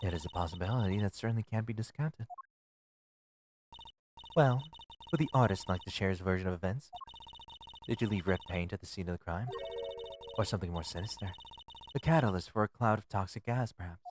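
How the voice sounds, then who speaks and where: A man's voice: deep voice, a little fast, long pauses, a little mellow, slight background noise, close to an everyday voice. A man voicing a smug, pompous judge with formal diction in a live reading of a game. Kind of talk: live voiced game playthrough.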